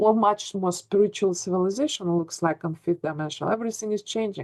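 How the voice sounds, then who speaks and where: A Russian accent with ordinary pitch variation, in a dry, close sound with no echo. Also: woman. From Russia, Ural Mountains region. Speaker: contactee. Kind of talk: interview testimony. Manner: halting.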